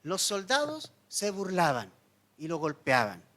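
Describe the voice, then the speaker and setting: A man preaching a sermon as pastor, telling the story dramatically with wide swings between loud emphasis and hushed lines. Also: high-pitched, huge pitch swings, measured pace. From Chile.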